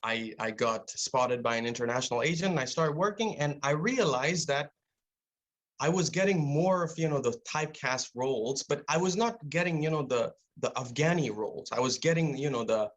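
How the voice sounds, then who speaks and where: Chatty young man with steady tone. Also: medium pitch, normal speed. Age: young adult. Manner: relaxed, chatty, lots of "you know" fillers. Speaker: actor, interview guest. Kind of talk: casual interview answers. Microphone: remote video call.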